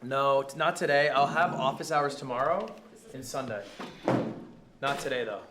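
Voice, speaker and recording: A man's voice: medium pitch, moderate pace, very noisy. A young man streaming casually, joking and swearing freely as he talks to his chat and plays a professor. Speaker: streamer playing a university professor.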